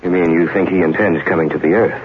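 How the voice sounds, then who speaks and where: A man's voice: low-pitched, fairly even intonation, fast talker, close to an everyday voice. An actor playing a trusting, optimistic male scientist in a 1950s radio drama. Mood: eager, hopeful. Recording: tinny, noisy old radio recording.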